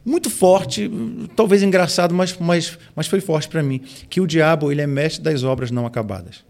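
A man's voice: on the high side, normal speed, darkish tone. A man in his forties, a pastor and music arranger, talking in a casual podcast conversation, often repeating and restarting words. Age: 40s. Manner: hesitant with frequent word repetitions.

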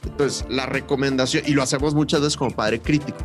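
A man, co-hosting a podcast, telling a story in a lively way and acting out the voices of the people in it. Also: mid-range voice, fast, over music. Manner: animated storyteller, acts out quoted voices. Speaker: podcast co-host, sales trainer.

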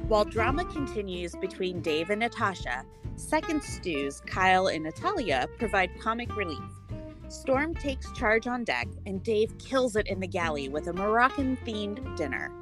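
A woman's voice: medium pitch, very animated, normal speed, music in the background. An American woman co-hosting a podcast in a casual, conversational recap style. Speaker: podcast co-host.

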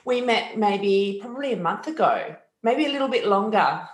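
A woman hosting an interview podcast, enthusiastic and quick with her follow-up questions. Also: mid-range voice, animated. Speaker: podcast host. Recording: roomy echo.

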